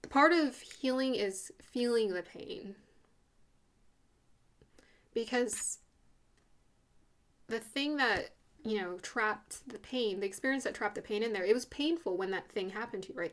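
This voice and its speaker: Earnest chatty woman reading cards. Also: a little high. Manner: earnest, chatty, with soft laughs and fillers. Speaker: spiritual reader doing a tarot card reading. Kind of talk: casual channeled card reading.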